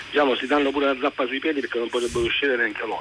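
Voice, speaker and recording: A man's voice over noticeable background noise. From Palermo, Sicily. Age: 60s. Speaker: caller. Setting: phone call.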